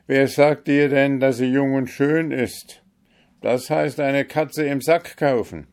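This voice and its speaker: A man's voice: lowish voice, lively intonation, slow, a little mellow. A man voicing a young caliph under a spell, urgent and exclaiming, in a storybook reading. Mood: exasperated. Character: young caliph turned stork, eager and impatient.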